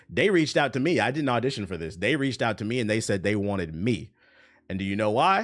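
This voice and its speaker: In a very clean recording with a silent background, a man speaks at a very fast pace. His pitch is fairly low and his intonation lively. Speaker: streamer and aspiring voice actor. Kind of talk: live stream chat. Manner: casual.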